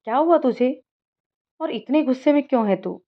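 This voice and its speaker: A woman's voice: mid-range voice, a little slow, lightly acted. A woman voicing a cheerful, forgetful young office worker with a playful, teasing manner, on a dull lo-fi recording. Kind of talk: storybook voice acting.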